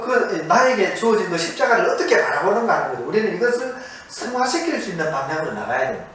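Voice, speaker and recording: High, lively male preacher in echoey hall. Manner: asks the audience questions and repeats key words. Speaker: monastic preacher. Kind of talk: sermon lecture to an audience. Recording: very echoey, distant mic, faint noise.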